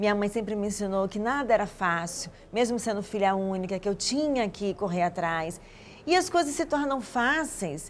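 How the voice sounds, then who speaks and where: A medium-pitched woman's voice with lively intonation. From Rio de Janeiro suburbs, Brazil. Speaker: TV presenter. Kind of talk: interview.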